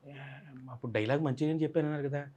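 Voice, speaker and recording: A man's voice: a little high, rapid-fire. Guy w telling a story from a film set, acts out everyone's lines. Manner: animated, acts out others' lines in quotes. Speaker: actor guest. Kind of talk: interview storytelling.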